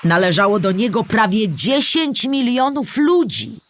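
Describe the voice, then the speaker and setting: An actress playing a storyteller who explains history to children in measured, articulate scripted narration. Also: female voice, fairly high pitch, lively intonation, no room sound. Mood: explanatory, measured. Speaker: narrator of a children's audio drama.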